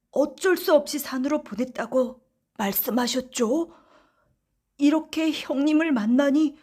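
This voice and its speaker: A woman's voice: sits high, a little mellow, pitched above the performer's own voice. A woman voicing a kind, timid young male woodcutter, earnest and deferential, in a children's folktale audiobook. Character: kind young male woodcutter, devoted son, timid but quick-witted.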